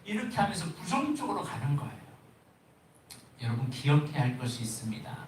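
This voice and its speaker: Pastor, male, mid pitch, earnest sermon delivery, distant mic in a reverberant church hall. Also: very animated, brisk, slight background noise. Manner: earnest preaching with acted-out anecdotes. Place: church sanctuary.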